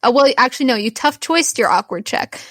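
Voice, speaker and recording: A woman's voice: fairly high pitch, expressive, brisk, a bit bright, no echo, clean studio sound. A woman hosting as game master, narrating an improvised tabletop game. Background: background music.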